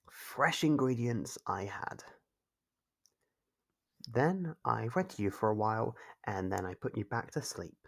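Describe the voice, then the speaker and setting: A man playing a calmly controlling, doting yandere kidnapper in an ASMR roleplay, speaking in a measured, formal, fussily caring way. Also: mid-range voice, vocal fry, slightly rough, exaggerated voice. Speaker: voice actor.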